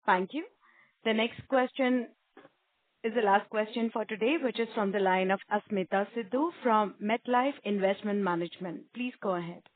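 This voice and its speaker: A woman's voice: mid-range voice, normal speed. A woman moderating a conference call with formulaic announcements. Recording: narrow phone-like line.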